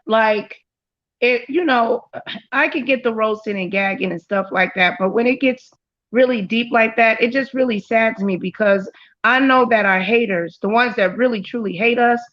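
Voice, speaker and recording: A woman's voice: on the high side, normal speed. A woman in casual conversation, agreeable, who often breaks in with short replies. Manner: agreeable, frequent back-channel responses. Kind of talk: casual chat. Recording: dull lo-fi audio.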